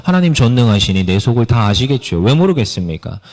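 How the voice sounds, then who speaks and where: Korean pastor preaching in a reverberant hall. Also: male voice, mid-range voice, very animated, fast, a little mellow. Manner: earnest preaching, acts out pleading prayers. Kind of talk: sermon.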